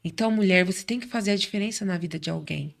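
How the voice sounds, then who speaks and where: A woman's voice: lowish voice, very fast, vocal fry. A middle-aged woman from Brazil telling her faith story in casual chat, acting out quoted voices as she goes. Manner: warm chatty storyteller, acts out quoted voices. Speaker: guest.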